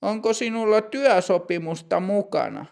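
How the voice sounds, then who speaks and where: A man's voice: high-pitched, gravelly, darkish tone, pitched above the performer's own voice. Man putting on a strict older woman bank clerk. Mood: stern. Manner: slow, precise, formal.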